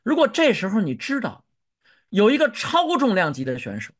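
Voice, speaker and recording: A pastor preaching a sermon, telling a story with animated delivery and acting out shouted cries. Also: mid-range voice, normal speed.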